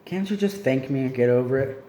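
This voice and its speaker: A cold, guarded teenage boy , read out by a man in a mellow, everyday voice, snaps back short, dismissive answers. The reading echoes in a roomy space. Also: mid-range voice, lively intonation, a little fast, close to an everyday voice. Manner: clipped, cutting replies.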